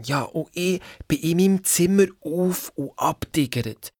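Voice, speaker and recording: A woman's voice: deep voice, expressive, a little slow, warm tone, dry recording, clean studio sound. A woman voicing a Swiss German boy narrator. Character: boy, about twelve, torn and secretive. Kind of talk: audio drama narration. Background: background music.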